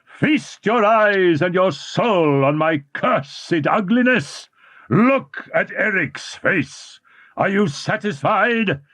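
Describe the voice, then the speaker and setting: A man's voice: sits high, lively intonation, fairly bright tone, no room sound, full character voice. Man doing a raging deformed masked man. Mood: raging, anguished. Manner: slow, hissing, roaring.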